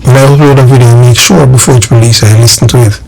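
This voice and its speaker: A man with a Jamaican accent delivering political commentary straight to his audience, emphatic and deliberate in his phrasing. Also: medium pitch, fairly even intonation, creaky, darkish tone, soft background music, rough recording. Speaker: online channel host and commentator.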